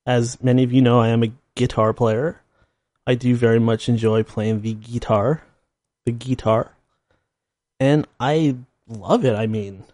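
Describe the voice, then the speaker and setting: A man's voice: medium pitch, fairly even intonation, a little slow, darkish tone, no echo. Rambling, self-mocking man in his thirties. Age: 30s. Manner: rambling, self-deprecating, laughs at himself. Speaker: podcast host. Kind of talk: casual solo monologue.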